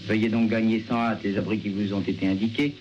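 Man, radio announcer, calm and formal, low voice, through a muffled old radio broadcast. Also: fast, faint music behind. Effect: old archival radio broadcast, distant and muffled. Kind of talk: formal wartime alert announcement.

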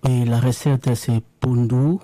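Radio guest, man from DR Congo, native Lingala speaker, very dark and dry, hesitant with many fillers. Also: medium pitch, flat delivery, takes it slowly, dry recording. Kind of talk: casual radio interview.

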